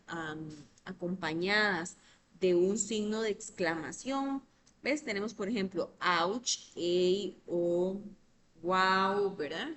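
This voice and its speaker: A woman's voice: mid-range voice, fairly bright tone, slight background noise. A woman, patiently explaining English grammar in an online tutoring lesson over a computer mic, often checking in with "¿verdad?".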